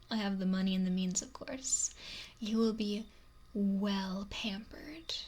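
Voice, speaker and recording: A woman playing a possessive, wealthy mafia boss in an intimate ASMR roleplay, breathy and often whispery, with a slow, softly threatening manner. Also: medium pitch. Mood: controlling, indulgent. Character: possessive, domineering wealthy female mafia boss, lonely, menacing. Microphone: close binaural ASMR microphone.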